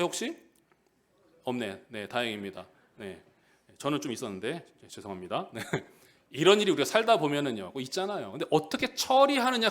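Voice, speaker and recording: Male pastor, middle-aged, church sermon, fairly high voice, very lively pitch, asks the congregation questions. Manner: animated, calls out questions to the congregation.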